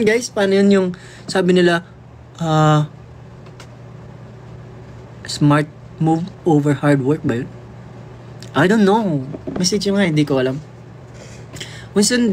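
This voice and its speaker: A man's voice: on the high side, expressive, a little slow, long pauses, slight background noise. A young man from the Philippines hosting a casual livestream, playfully chatting and reading and answering viewer comments aloud, switching freely between languages. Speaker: livestream host.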